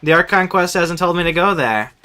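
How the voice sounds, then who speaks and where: A man's voice: sits high, lively intonation, a little fast, pushed and bright. A man chatting casually while livestreaming a video game, playful and rambling, often repeating his phrases. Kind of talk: casual livestream gameplay chat. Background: faint game music.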